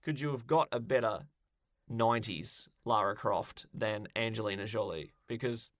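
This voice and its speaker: A man's voice: on the low side, moderate pace. A man co-hosting a podcast, discussing films and games casually in a playful, joking manner. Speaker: podcast co-host.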